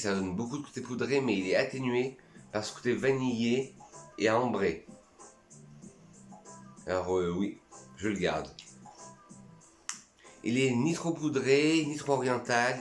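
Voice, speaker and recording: A man's voice: mid-range voice, unhurried, pauses often, roomy sound, faint music behind. A man from France chatting casually and enthusiastically in a vlog, reviewing his perfumes and sometimes talking to himself. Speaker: perfume YouTuber.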